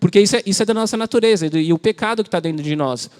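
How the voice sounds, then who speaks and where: A man's voice: high voice, very fast, a little mellow, clean tone. A man preaching an informal sermon in a church hall, telling stories in a conversational, slangy way. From Brazil. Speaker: lay preacher. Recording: long church-hall reverb.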